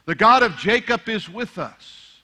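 A middle-aged pastor, an Arabic native speaker, delivers a sermon in a bright, ringing voice set a little high for a man. He talks in a loose, conversational way, then climbs into fervent preaching. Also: expressive, measured pace.

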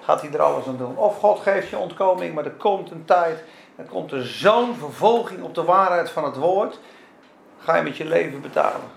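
Casting: male preacher, fervent and emphatic, high gravelly voice, echoey room with faint ambience. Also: expressive, normal speed, a little hiss or hum. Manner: fervent, emphatic, repeats phrases. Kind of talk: sermon.

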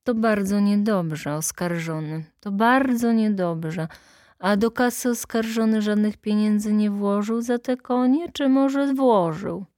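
A woman voicing an elderly, kindly male court chairman who questions the accused slowly and reproachfully. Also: mid-range voice, darkish tone, no echo, studio quality, natural voice. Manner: slow, drawn-out reproach.

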